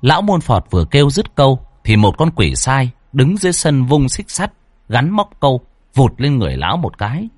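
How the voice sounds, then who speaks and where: Guy narrating a spooky ghost story, husky voice, really lively delivery, soft music behind. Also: medium pitch, a little fast, no room sound. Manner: dramatic, vivid storytelling.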